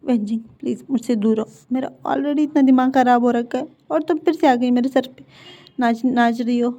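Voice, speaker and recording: A woman's voice: fairly high pitch, brisk, dark tone, close to an everyday voice. A woman voicing an anxious young man who stammers and pleads, in a dull lo-fi recording. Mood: pleading.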